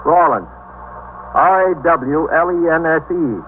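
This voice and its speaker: Polite desk sergeant, voiced by an actor; slightly higher voice, thin old broadcast. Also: male voice, measured pace, close to an everyday voice. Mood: businesslike. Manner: polite, businesslike on the phone. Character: brisk desk sergeant working the phones. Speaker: police sergeant. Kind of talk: 1950s radio drama acting. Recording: tinny old radio broadcast with faint hiss.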